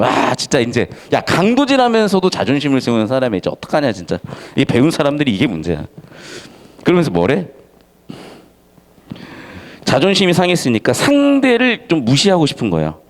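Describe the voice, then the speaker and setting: A man teaching a literature class in a casual, lively way, acting out the characters' lines as he explains the story. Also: mid-range voice. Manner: casual, animated, acts out characters' lines in quick asides.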